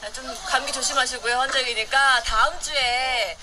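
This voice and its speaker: A woman's voice: high voice, fairly even intonation, normal speed, noisy background. A woman greeting listeners in a cheerful, laughing way from a filming location, recorded on a video clip. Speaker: podcast regular sending a video message. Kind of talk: casual greeting.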